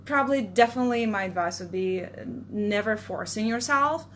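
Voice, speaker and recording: A woman who is not a native English speaker, a podcast guest giving advice in a lively, chatty way. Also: medium pitch, moderate pace, slight background noise. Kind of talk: casual podcast chat.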